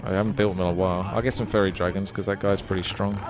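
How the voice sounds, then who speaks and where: A man's voice: low-pitched, flat delivery, very fast. A man giving casual live commentary as he streams a game, with game music behind him. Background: loud game music and effects.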